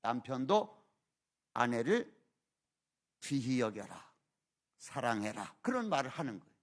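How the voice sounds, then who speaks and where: A man's voice: medium pitch, sing-song, a little slow. An older man, an emeritus pastor, preaching a sermon in church with emphatic rhetorical questions. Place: church sanctuary.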